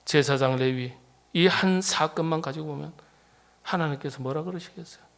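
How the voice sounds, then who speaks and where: Gravelly middle-aged male pastor preaching. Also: a little high, moderate pace. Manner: dramatic, swings between loud emphatic lines and hushed near-whispers; rhetorical, repeatedly asks the congregation questions. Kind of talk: sermon.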